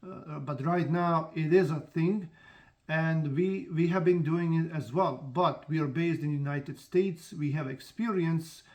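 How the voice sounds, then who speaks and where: A trucking company owner who hosts his own channel talks frankly to the camera in a casual vlog, his darkish voice pitched a little above most men's. He rambles, stumbles over restarts and fills pauses with "uh," sounding casual and direct, like someone explaining his own business.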